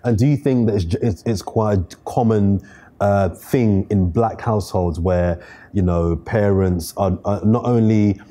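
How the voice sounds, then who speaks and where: A man in his thirties hosting a discussion, asking measured, thoughtful, probing questions. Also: fairly low pitch, dark tone. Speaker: host. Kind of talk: interview questions. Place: bright studio room, city view.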